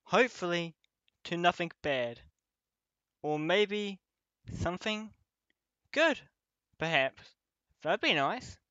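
A man playing a protective young companion leading an escape in an ASMR roleplay, speaking haltingly in short phrases. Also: high-pitched, sing-song, pushed and bright, no room sound, dull audio, full character voice. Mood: wondering, encouraging.

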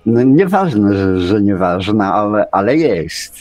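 A man co-hosting a casual radio show, musing in halting phrases with many false starts. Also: fairly low pitch, big pitch swings, a little mellow. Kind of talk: casual live radio chat.

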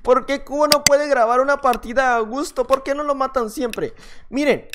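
A man's voice: very high-pitched, normal speed. Mexican-accented male gamer, jumpy running commentary, loops little phrases, a faint hiss underneath. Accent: Mexican Spanish. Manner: excitable, repeats short phrases over and over, talks to himself. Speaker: gaming youtuber. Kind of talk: live gameplay commentary.

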